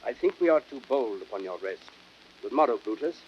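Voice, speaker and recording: A man's voice: medium pitch, lively intonation, brisk, highs cut off, close to an everyday voice. A man playing a bitter, persuasive Roman nobleman who plots, in declamatory, impassioned classical Shakespearean style. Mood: urgent, persuasive. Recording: noisy old audiodrama record.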